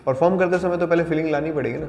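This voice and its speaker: A man teaching an acting class, explaining exercises in a calm, deliberate way and mixing in English terms. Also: a little high, gravelly. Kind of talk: spoken acting lesson. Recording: echoey hall with faint music.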